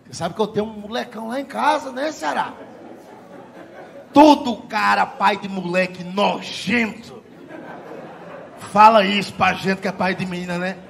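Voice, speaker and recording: High gravelly middle-aged comic man. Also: moderate pace, long pauses. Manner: profane, animated, talks straight to the crowd. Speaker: stand-up comedian. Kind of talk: stand-up comedy routine. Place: stage before a live audience.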